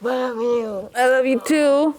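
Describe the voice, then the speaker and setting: A woman, a mother, speaking gently and encouragingly at home, recorded from a distance. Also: high voice, slow pace. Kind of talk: home video and interview. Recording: distant mic with faint noise.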